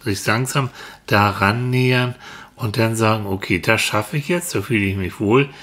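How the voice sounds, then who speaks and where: In this children's audio series, a man plays a mentor who reassures a child character, explaining things patiently and encouragingly in improvised speech. His voice sits fairly low in pitch, a bit bright, with a moderate pace.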